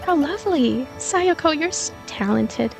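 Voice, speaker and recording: A woman's voice: sits high, expressive, a little slow, gravelly, pitched above the performer's own voice, full character voice. A woman voicing a breezy, chatty girl in a visual novel game. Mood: breezy, festive. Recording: music behind the voice.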